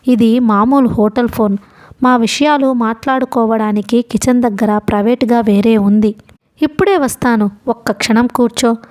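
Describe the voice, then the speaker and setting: A woman voicing a guarded young man who reasons gently and earnestly, in an audiobook. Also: extremely high pitch, moderate pace. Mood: hurried. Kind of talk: audiobook character reading.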